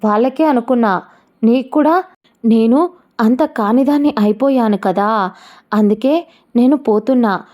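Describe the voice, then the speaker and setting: A woman voicing a proud, angry young woman who speaks in a sharp, taunting, defiant way. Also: medium pitch, steady tone, normal speed, close to an everyday voice.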